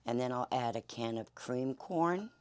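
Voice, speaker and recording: Hoarse Southern woman chatting while cooking. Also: rumbling low, lively intonation, a little slow. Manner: chatty, folksy, many fillers. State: hoarse, losing her voice. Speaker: cooking channel host. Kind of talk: casual cooking demonstration. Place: home kitchen.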